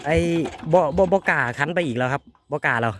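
A man with an Isan accent hosting a casual hands-on demo, talking excitedly and repeating his words as he tests an engine. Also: fairly high pitch, fairly quick, background noise. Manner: excited, repeats words, exclaims over results. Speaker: video host.

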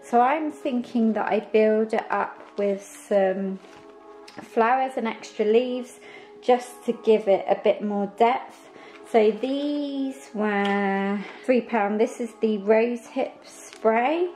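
A woman's voice: fairly high pitch, slow, warm tone, faint music behind, poor audio. A young British woman vlogging from her living room, chatting casually and upbeat about home decor. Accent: British English. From United Kingdom. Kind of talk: casual home vlog chat.

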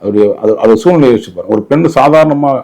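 A man's voice: medium pitch, lively intonation, fast, creaky, darkish tone, poor audio. A man with a Tamil Nadu accent giving opinionated interview commentary in an emphatic, indignant way, often posing rhetorical questions.

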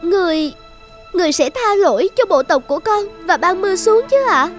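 A woman playing a devout, self-sacrificing young tribal maiden in an animated folktale, earnest and reverent. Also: very high-pitched, normal speed, faint music behind. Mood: humble wonder. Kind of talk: dubbed animated folktale acting.

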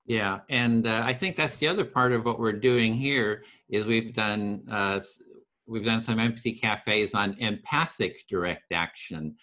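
A fairly low-voiced man speaks over a video call, earnest and enthusiastic. He talks in a casual, searching way, often restarting his phrases. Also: unhurried, pushed and bright. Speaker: host of empathy circle series.

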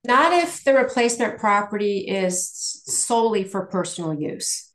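A woman with a mid-pitched voice speaks as a guest expert in a question-and-answer session. She explains things carefully and in measured steps, like someone walking through regulations point by point. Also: animated, rough recording. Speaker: guest speaker, tax exchange specialist.

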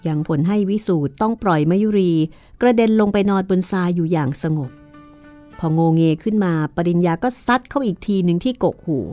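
A woman podcast host calmly reading a novel aloud in a studio. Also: lowish voice, no echo. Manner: calm, measured storytelling. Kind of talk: audiobook narration.

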